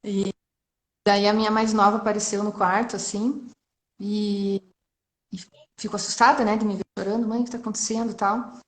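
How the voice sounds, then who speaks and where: A woman in her thirties from Brazil recounts a personal story with open emotion. She keeps checking in with her listener through little tag questions. Her voice sits at a middle pitch and carries a noticeable room echo. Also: flat delivery, moderate pace, pauses often. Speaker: entrepreneur guest sharing testimony. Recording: roomy echo.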